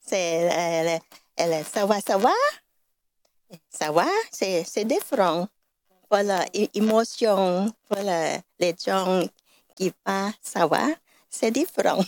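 A woman learning French, speaking haltingly and searching for words. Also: mid-range voice, darkish tone.

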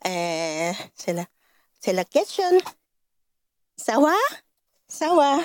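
A woman learning French speaks very slowly. She halts often and searches for her words. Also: on the low side, very animated, no room sound, clean studio sound.

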